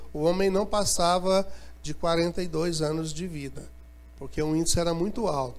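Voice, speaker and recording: This man talks in a high voice, and its pitch rises and falls in an ordinary way. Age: 50s. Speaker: missionary. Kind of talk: missionary presentation.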